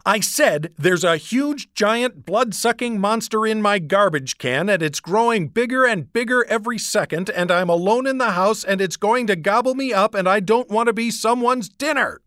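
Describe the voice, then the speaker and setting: A woman's voice: mid-range voice, animated, a bit bright, dry recording, clean studio sound, voice pushed up, lightly acted. A man doing a shrieking panicky schoolgirl. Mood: frantic. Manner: frantic, breathless, rushing. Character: panicky talkative fifth-grade girl.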